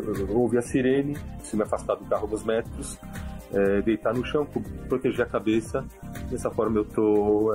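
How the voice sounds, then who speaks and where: A middle-aged man from São Paulo talks into a phone held at arm's length, at home, in a car or by a roadside. His voice sits a little low, and he keeps stopping on filler sounds. A loud music bed runs under everything he says. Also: rough recording. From Brazil, São Paulo. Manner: hesitant, many filler pauses. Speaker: volunteer driver interviewed. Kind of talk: self-recorded video testimony. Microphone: phone camera at arm's length.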